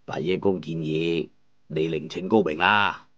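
A man's voice: low-pitched, steady tone, a little slow, fairly bright tone, no echo, muffled recording. An actor playing an elderly, patient master craftsman in a Cantonese audio drama, genial and avuncular but unbending. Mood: genial, firm. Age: older.

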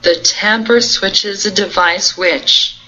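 A woman reading out a numbered list of technical interview questions and answers in a flat, even way. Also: mid-range voice, slow, lo-fi sound.

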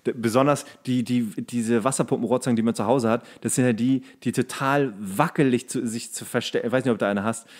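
A man's voice: mid-range voice, fairly even intonation, brisk, hardly any pauses. A man co-hosting a podcast, chatting casually in colloquial speech and rambling from one thought to another. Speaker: podcast co-host. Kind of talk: casual chat.

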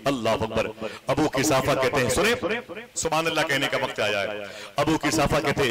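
A man preaching a religious sermon to a live gathering, telling stories dramatically and rising to impassioned high cries as he calls on listeners to respond. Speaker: Islamic preacher.

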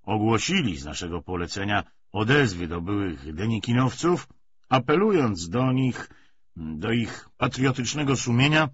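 A man reading an audiobook, voicing a weary, cynical, persuasive Bolshevik official with emphatic, hesitating, rhetorical speech. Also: lowish voice. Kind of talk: dramatised audiobook dialogue. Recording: dull lo-fi audio, faint noise.

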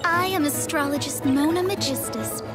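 Haughty high-voiced young astrologer played by a woman. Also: normal speed, natural voice. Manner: haughty, formal, theatrical. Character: proud, grandiose young female astrologer. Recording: game trailer with loud music.

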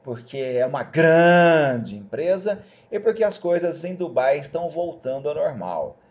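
A man talking casually and persuasively to viewers over a screen recording, chatty and animated. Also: on the high side, measured pace, muffled recording. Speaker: job placement agency host.

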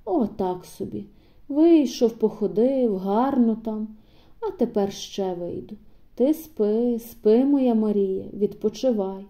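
A woman reading an audiobook voices an old peasant man bidding his wife a quiet, halting farewell. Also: mid-range voice, animated. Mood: weary, tender. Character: old peasant man, weary and tender husband.

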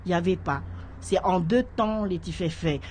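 A little hiss or hum sits under the voice of a middle-aged woman, a horticulture association president appearing as a guest on a radio studio interview via a stand microphone. Her voice runs on the low side and a little mellow, at a moderate pace. She's hesitant, restarting and repeating words as she searches for them.

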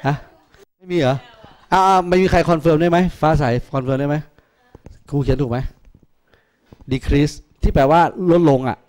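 A man's voice: a little high, a little mellow. A man teaching math in a classroom, teasing his students with crude jokes. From Thailand. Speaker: math tutor. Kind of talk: classroom lecture.

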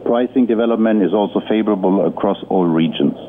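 A male executive giving a formal, somewhat halting prepared presentation on an earnings conference call. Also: lowish voice. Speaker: company executive. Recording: muffled phone-line audio with noise.

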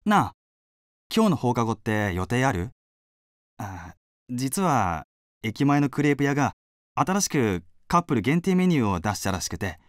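A man's voice: medium pitch, big pitch swings, normal speed, no echo, studio quality, close to an everyday voice. A male voice actor playing a shy, earnest, hesitant teenage schoolboy with a crush in an acted drama scene. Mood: shy, nervous. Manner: hesitant, boyish. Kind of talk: anime-like acted dialogue.

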